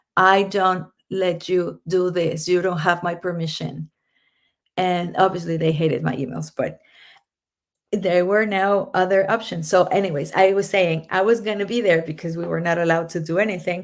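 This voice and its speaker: A speaker with a Spanish accent. The intonation stays fairly even. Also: woman, fairly low pitch for a woman, moderate pace. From Mexico. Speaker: former ministry leader. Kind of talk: testimony. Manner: halting.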